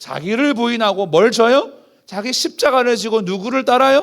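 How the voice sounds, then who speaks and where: This man has an extremely high pitch and an animated tone. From Gangwon Province, Samcheok, Korea. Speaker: pastor. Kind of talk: sermon. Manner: animated, rhetorical questions to congregation.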